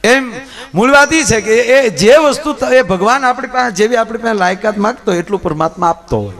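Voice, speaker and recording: A man telling folk stories and jokes to a live audience, swinging between loud telling and soft asides. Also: extremely high pitch, lively intonation, fairly quick. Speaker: folk storyteller and comedian. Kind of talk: live folk storytelling on stage.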